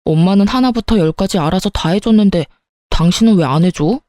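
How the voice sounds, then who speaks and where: A woman's voice: mid-range voice, brisk, mellow, no room sound, clean studio sound, lightly acted. A woman voicing an indecisive, helplessly dependent grown man who talks in a hesitant, pleading way. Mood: whining. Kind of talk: storytelling with acted dialogue.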